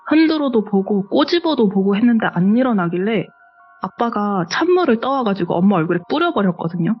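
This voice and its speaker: A woman's voice: medium pitch, husky, highs cut off. A woman, the guest on a horror radio show, recounts a true ghost story in a conversational, matter-of-fact way.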